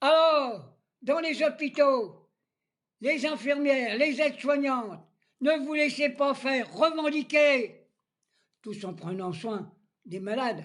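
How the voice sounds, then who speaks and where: A man speaks at an extremely high pitch with lively intonation and big swings in loudness. His pace is very slow, broken by long, frequent pauses. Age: 80s+. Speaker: political vlogger. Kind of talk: political rant. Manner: animated.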